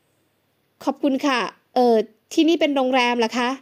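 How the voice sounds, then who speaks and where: A woman's voice: high voice, unhurried. A woman reading the part of a young nanny in an audio novel, asking polite, hesitant questions. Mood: polite, puzzled. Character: young woman hired as nanny, puzzled and frank.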